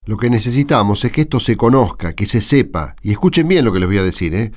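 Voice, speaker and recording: An actor playing a frustrated, insistent rural neighbour in a radio drama, with an Argentine accent and emphatic delivery. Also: male voice, on the low side, expressive, quick pace, natural voice. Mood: indignant, insistent.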